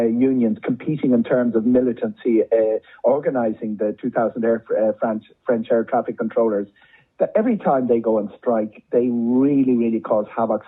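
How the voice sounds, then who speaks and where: Man, Irish accent, husky mid-pitched voice, discursive radio pundit, conversational, repeats words for emphasis. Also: phone-quality sound. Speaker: travel journalist, studio guest. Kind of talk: conversational expert commentary.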